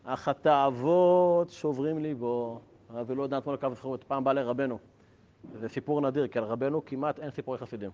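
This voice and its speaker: A man's voice: mid-range voice, dark tone. A man teaching a Hasidic Torah class, asking rhetorical questions and joking with his listeners. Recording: dull lo-fi recording.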